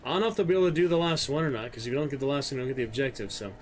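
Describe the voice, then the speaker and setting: A man giving casual, low-key gameplay commentary, musing to himself over game sounds. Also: very fast. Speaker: gamer commentating own gameplay. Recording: clear game noise behind voice. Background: video game sounds.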